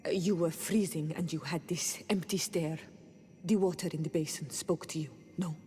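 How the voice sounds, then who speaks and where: Game role: young tribal healer woman played by an actress, lowish voice, solemn and devoted, speaks carefully. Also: steady tone, moderate pace, warm tone, big-room sound, slight background noise, lightly acted. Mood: curious, reverent. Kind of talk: video game voice acting.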